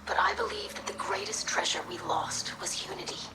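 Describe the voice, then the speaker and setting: Creaky, whispery alien scribe. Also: female voice, extremely high pitch, big pitch swings, brisk, full character voice. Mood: solemn, earnest. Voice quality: breathy, creaky rasp. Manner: solemn, formal. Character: earnest young female alien scribe. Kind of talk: video game character acting. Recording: echoing voice with music behind.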